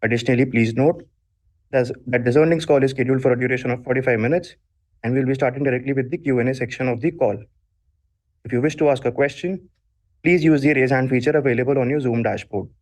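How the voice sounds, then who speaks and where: A man's voice: medium pitch, fast talker, darkish tone. A man moderating a conference call, formally reading a scripted announcement.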